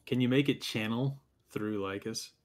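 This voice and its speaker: Male game player, fairly low pitch, casual table talk. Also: normal speed.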